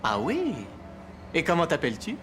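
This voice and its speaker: A woman's voice: sits low, wildly swooping pitch, moderate pace, a bit bright, a little hiss or hum, full character voice. A woman voicing a friendly, chatty train passenger in a children's cartoon. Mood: friendly, curious.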